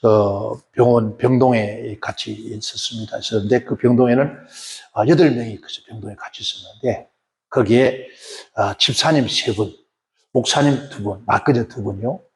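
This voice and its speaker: A male pastor preaching a sermon with animated, folksy storytelling. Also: mid-range voice, normal speed.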